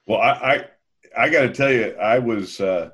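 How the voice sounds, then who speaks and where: A man's voice: medium pitch, moderate pace, a bit bright, highs cut off. A man hosting a conversational interview, feeling his way through sentences with hesitations and repeated words. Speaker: interviewer, host.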